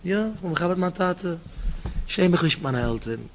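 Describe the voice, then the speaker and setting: A man's voice: expressive, moderate pace, slight background noise. A man giving a Yiddish Torah talk with a Hasidic accent and English words mixed in, acting out parents and children as he tells his stories. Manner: acts out parent and child voices, pitch jumping up and down. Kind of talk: Yiddish sermon with animated storytelling.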